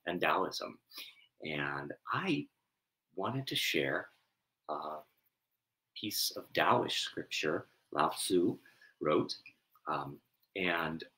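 Minister in his fifties, low and bright-toned, slow, gentle delivery with fillers, webcam at home. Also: low-quality recording. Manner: soft, unhurried, with many fillers. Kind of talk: reflective talk and scripture reading. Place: home room, indoors. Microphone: webcam at desk distance.

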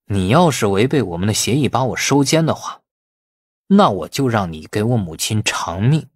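A man's voice: fairly low pitch, very animated, normal speed, slightly rough, no echo, clean studio sound. A man voicing a brazen, cunning man who defies the police in an audiobook, taunting and defiant. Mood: menacing.

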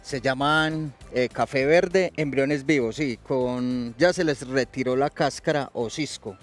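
A man's voice: medium pitch, measured pace, faint music behind. A middle-aged man, a coffee expert guest, explaining in a folksy storytelling way outdoors in a garden. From Colombia. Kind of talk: explanatory interview talk.

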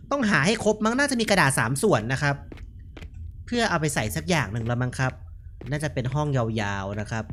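A man's voice: high-pitched, fairly bright tone, a little hiss or hum. A man giving casual, jokey commentary while playing a horror game. He chats freely, reads out what he finds and laughs often. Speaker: gaming streamer.

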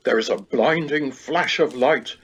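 Male pantomime narrator over loud music. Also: mid-range voice, a little slow. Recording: dull home recording with music. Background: loud background music.

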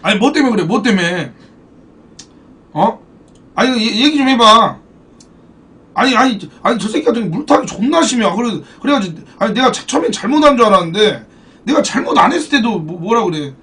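A man's voice: sits high, brisk, recorded from a distance. A man streaming a football card game, chatting casually with viewers, thanking donors and swearing in banter. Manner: animated, swearing, bantering with chat. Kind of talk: casual live-stream chat.

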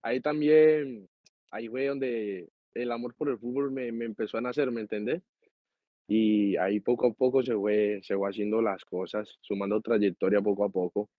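A young man in his twenties from Cali, Colombia, speaks with a Colombian accent and a lowish voice. He answers modestly and with a little hesitation. The video-call sound is dry and dull. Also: fairly even intonation, moderate pace, no room sound. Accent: Colombian Spanish. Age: 20s. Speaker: guest footballer. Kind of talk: casual interview answers.

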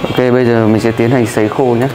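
A young man, a barber calmly explaining each step of a haircut and repeating himself, recorded on a lapel mic in a busy barbershop. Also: mid-range voice, fairly quick, music in the background, poor audio. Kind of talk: casual step-by-step demonstration. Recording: clippers buzzing behind. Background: electric clippers and shop chatter.

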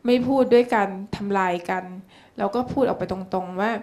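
A woman telling a personal faith testimony in a chatty, animated way, with asides and restarts. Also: mid-range voice, normal speed. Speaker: church member giving testimony.

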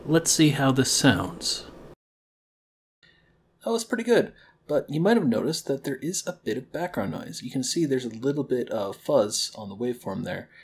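Young guy walking you through an editing tutorial, friendly, mid pitch, bit of faint hiss. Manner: friendly, explanatory. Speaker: library program host. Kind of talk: software tutorial. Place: home kitchen-living room, indoors.

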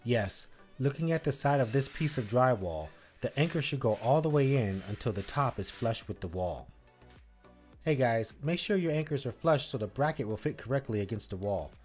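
A man's voice: medium pitch, lively intonation, normal speed, a little mellow, slightly rough, soft background music. Man narrating a DIY how-to. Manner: instructive, step-by-step. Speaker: DIY channel co-host. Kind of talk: scripted how-to voice-over.

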